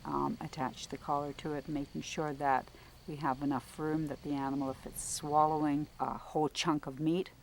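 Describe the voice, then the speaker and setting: Low, even-toned woman researcher explaining fieldwork. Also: a little hiss or hum, poor audio. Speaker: wildlife researcher. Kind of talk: unscripted documentary interview explanation.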